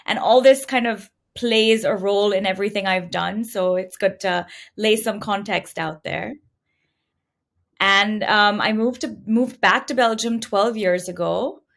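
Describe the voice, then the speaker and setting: A woman's voice: mid-range voice, a little slow, vocal fry, a bit bright. A middle-aged woman from India, speaking conversationally as an interview guest about her own experience. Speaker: podcast guest, entrepreneur. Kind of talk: conversational interview answers, telling own story.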